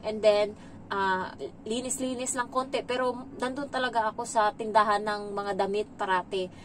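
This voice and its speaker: A woman's voice: medium pitch, steady tone, normal speed, a little hiss or hum, low-quality recording. A woman from the Philippines working as a domestic helper, chatting casually in a vlog, mixing in English and laughing between stories.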